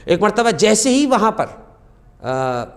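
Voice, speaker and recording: Speaking in a high, sing-song voice, a male guest scholar on a religious talk show tells stories with passion. Key phrases shoot up sharply, while Arabic quotations come out slow.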